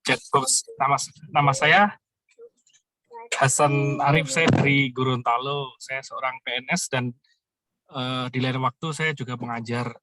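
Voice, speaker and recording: A man from Java with a Javanese accent, asking a question in an online class, hesitant and full of "eh" pauses. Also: mid-range voice, fairly even intonation, bright, forceful tone, no room sound, low-quality recording. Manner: hesitant, many filler "eh" pauses.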